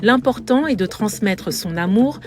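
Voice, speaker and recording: A woman reporter reading a scripted news feature narration in a measured, lyrical way. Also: medium pitch, animated. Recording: voice-over with music bed.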